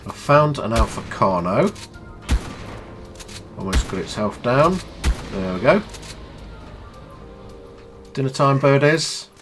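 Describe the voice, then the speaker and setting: A man with a stuffy nose from a cold, explaining a video game in a chatty, low-key tutorial. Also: expressive, slow pace, pauses often, fairly bright tone, faint music behind. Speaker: gaming channel host.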